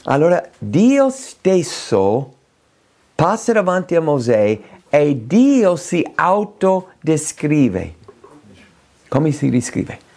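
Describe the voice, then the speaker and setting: Slow gravelly preacher man. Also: on the high side, big pitch swings, a little mellow. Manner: slow, emphatic, repeats key phrases. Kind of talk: sermon with scripture reading.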